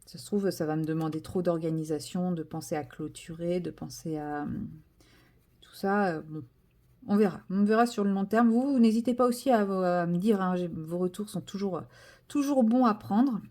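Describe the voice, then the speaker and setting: A woman chatting casually to her viewers from home, her voice mellow and relaxed. She talks in loose, hesitant runs full of fillers and restarts, warming into enthusiasm as she unpacks a craft kit. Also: fairly low pitch, normal speed. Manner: chatty, hesitant with many fillers, self-correcting. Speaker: vlogger. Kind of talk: casual vlog chat.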